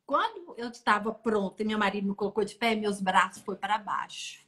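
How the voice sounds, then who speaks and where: A middle-aged woman telling an emotional testimony on a live stream, animated and acting out the voices in her story. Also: mid-range voice, a little fast. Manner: animated, acts out dialogue and sounds. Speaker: guest sharing a testimony. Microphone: phone on an online live stream.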